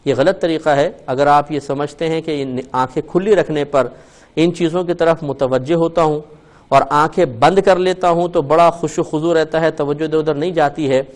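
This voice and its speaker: A man hosting a religious call-in show as a mufti, explaining patiently and slowly repeating phrases to show how to say them. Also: on the high side, fairly even intonation. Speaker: mufti answering callers.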